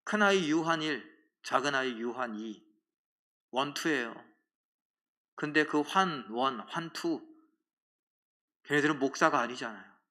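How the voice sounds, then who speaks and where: A middle-aged man preaching a sermon in a church, emphatic and animated, swinging from loud appeals to quiet asides. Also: mid-range voice. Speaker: pastor. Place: church sanctuary.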